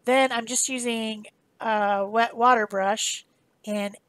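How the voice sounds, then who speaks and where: A woman's voice: a little high, fairly even intonation, takes it slowly, fairly bright tone, dry recording. A woman giving a casual, chatty voice-over for a craft demonstration, explaining informally as she goes. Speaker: craft tutorial host.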